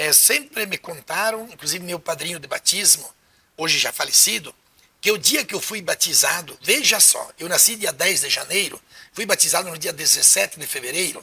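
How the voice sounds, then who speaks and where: Here a man speaks with a high pitch and lively intonation at a moderate pace. His loudness swings widely. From southern Brazil, interior of Rio Grande do Sul. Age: 70s. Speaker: priest. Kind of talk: interview testimony.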